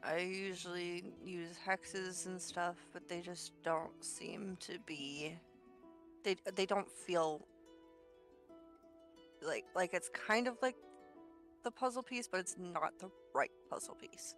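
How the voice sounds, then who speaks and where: A woman's voice: lowish voice, takes it slowly, a bit bright, faint music behind. A woman playing in a tabletop role-playing game, chatting casually and hesitantly, searching for her words. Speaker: player.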